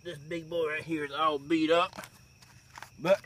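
A bright, forceful man talks easy and folksy on a riverbank at night. His voice sits a bit high, caught on a phone camera with faint crickets and outdoor hiss behind him. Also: little pitch movement, measured pace, recorded from a distance. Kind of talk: casual outdoor vlog narration. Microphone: phone camera held nearby.

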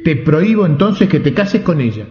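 A man's voice: medium pitch, expressive, normal speed, natural voice. A man voicing an indignant, commanding old king in a storybook reading. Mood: outraged. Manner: commanding, exclaiming. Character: indignant old male king, imperious and demanding. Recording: echoey, reverberant, slightly dull.

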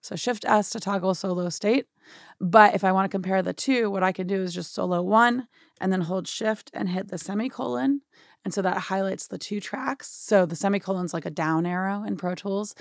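A young woman with a hoarse, worn-out voice, chatting through a software tutorial in a home studio and often checking in with "right?". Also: mid-range voice, moderate pace, no echo. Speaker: music production tutorial host. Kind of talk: casual screen-share software tutorial.

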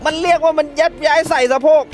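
A man giving excitable, laughter-filled commentary while playing a mobile game, taunting his opponents as he goes. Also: extremely high pitch, fast, soft background music. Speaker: gaming channel host.

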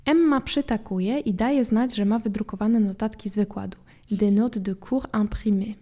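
A woman teaching a language lesson as a podcast host, explaining patiently and repeating words slowly for practice. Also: mid-range voice, mellow.

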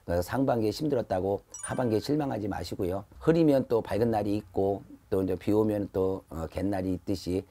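A middle-aged man reads fortunes to camera in a steady, advisory way, pausing often on fillers. His voice is husky and dark, warm rather than bright. It is picked up close on a lapel mic indoors. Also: lowish voice. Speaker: shaman fortune teller. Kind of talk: fortune reading talk to camera. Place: shrine room with altar, indoors.

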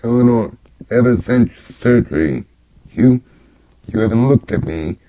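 A man's voice: medium pitch, unhurried, pitched below the performer's own voice, close to an everyday voice. A man playing a hurt, pleading husband in a dull lo-fi recording.

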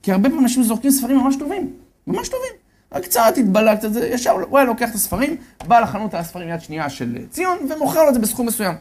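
A man telling a religious story as a lecturer, animated and often telling his audience to listen well. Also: very high voice. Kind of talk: storytelling sermon.

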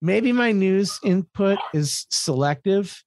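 A man's voice: high-pitched, lively intonation, slow pace, darkish tone, no echo. An American man co-hosting a podcast in casual comedic chat, swearing freely and repeating words emphatically as he explains. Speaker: podcast co-host.

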